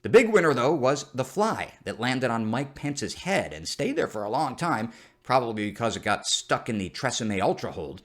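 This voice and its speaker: A man's voice: medium pitch, sing-song, moderate pace, fairly bright tone. A man hosts a scripted news satire in the style of a parody news anchor. His mid-range voice moves up and down with lots of animation as he delivers comic commentary. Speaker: satirical news show host.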